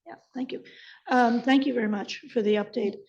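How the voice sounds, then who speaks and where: A woman's voice: on the high side, fairly even intonation, fairly quick, a little mellow. A woman city councillor with a Canadian accent who is losing her voice, speaking hesitantly and repeating words as she thinks aloud. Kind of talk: council meeting remarks. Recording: dull council room sound.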